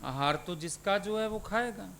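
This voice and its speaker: A man's voice: high voice, expressive, normal speed, creaky, a bit bright, a little hiss or hum. A man, a spiritual teacher, giving a satsang sermon and putting questions to his listeners.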